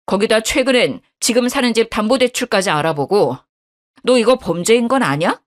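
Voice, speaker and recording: Woman doing a lower, scornful angry husband. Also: animated, normal speed, lightly acted. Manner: scolding, contemptuous.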